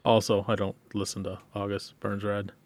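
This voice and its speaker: A man's voice: on the low side, little pitch movement, normal speed. A man chatting casually as a podcast co-host, dry and sarcastic in his remarks. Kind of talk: casual chat.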